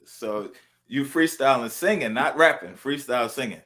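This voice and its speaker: A man's voice: mid-range voice, moderate pace, a loud crowd. A man hosting a casual interview, laid-back and upbeat, using slang. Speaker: interview host.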